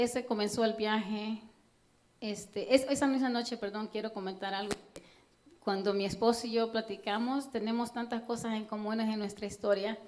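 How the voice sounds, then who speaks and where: A woman from El Salvador with a Salvadoran accent, giving an earnest, halting personal testimony at church with frequent fillers. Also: fairly high pitch, a little mellow. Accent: Salvadoran Spanish.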